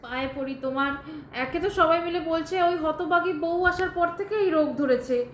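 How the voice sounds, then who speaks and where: A woman's voice: extremely high pitch, normal speed. A woman playing an anxious, dutiful young wife in an audio drama, emotional and imploring, in an echoey room. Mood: fearful pleading. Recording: echoey room, faint background noise.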